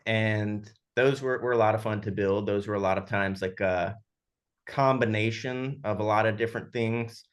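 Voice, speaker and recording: A man speaking casually and haltingly as a sound designer in an interview, thinking aloud as he explains. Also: on the low side, steady tone.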